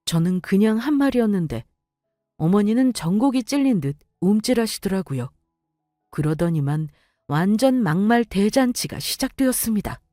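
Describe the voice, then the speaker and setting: A woman's voice: mid-range voice, lively intonation, normal speed, dark tone, no room sound, studio quality, soft background music. A young woman narrating her own story in an indignant, confiding way. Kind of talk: scripted first-person story narration.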